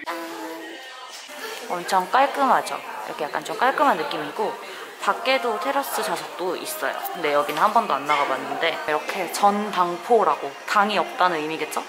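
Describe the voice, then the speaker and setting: A young woman giving a casual, expressive food review to camera as she tastes, with a playful manner. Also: on the low side, brisk, hardly any pauses, reverberant. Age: young adult. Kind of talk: casual review chat to camera while tasting baked goods. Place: small living room at home, also a cafe. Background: background music.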